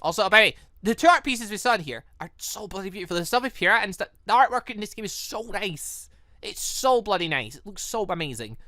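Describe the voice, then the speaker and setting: A gaming channel host plays through a visual novel with an exclaiming, gushing commentary. The delivery is highly animated and rambles freely. The sound is close and dry, with music underneath. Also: quick pace, dry recording. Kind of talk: excited playthrough commentary of a visual novel, reading dialogue aloud.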